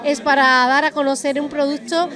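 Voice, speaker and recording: A woman's voice: high voice, little pitch movement, brisk, music in the background. A middle-aged woman reporting from a lunch event with a handheld mic, chatty and effusive. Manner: chatty, effusive, self-aware talker. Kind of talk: event interview. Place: busy restaurant event indoors.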